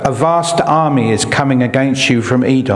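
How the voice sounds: Simply a natural reading voice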